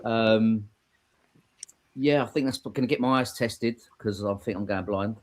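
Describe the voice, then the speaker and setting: A man's voice: fairly low pitch, unhurried. A man talking earnestly and ramblingly in a casual chat, with plenty of fillers. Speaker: guest.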